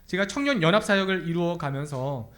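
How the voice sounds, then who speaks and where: Animated young male pastor, high and bright. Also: a little fast. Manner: animated, asks the congregation many questions. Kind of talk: sermon. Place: church sanctuary.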